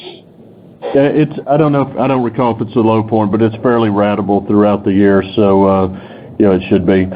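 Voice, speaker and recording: A man speaking as a company executive, answering questions off the cuff in measured business language on a conference call. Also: lowish voice, level tone. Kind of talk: unscripted earnings call answers. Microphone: telephone conference line. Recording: noisy phone-like conference call line.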